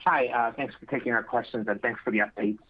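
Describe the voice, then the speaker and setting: A man's voice: medium pitch, steady tone, quick pace. A man speaking as a financial analyst, politely asking an unscripted question on a conference call. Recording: narrow tinny phone line.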